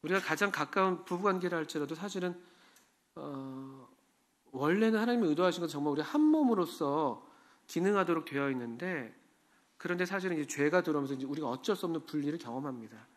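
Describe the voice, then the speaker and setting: A man's voice: fairly high pitch, lively intonation, fast. A man preaching a sermon in a church, talking conversationally and asking the congregation questions. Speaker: pastor.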